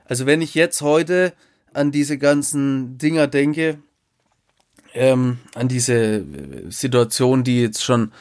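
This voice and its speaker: A man in casual conversation, speaking haltingly and reflectively about his past. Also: mid-range voice, steady tone, darkish tone, clean tone. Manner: halting, with many fillers and restarts, reflective. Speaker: former drug user sharing experience.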